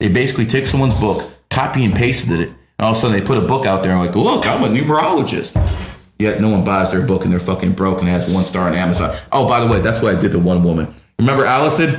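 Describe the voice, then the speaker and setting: Very fast, animated speech with lively intonation and very even loudness, over background music with audible room echo. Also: man, fairly low pitch for a man. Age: 40s. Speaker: numerology teacher. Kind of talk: casual chat.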